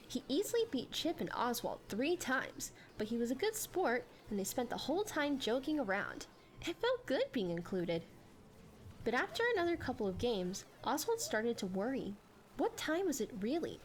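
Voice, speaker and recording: A woman's voice: fairly high pitch, a little hiss or hum. A woman reading a story as a scripted, dramatic narration.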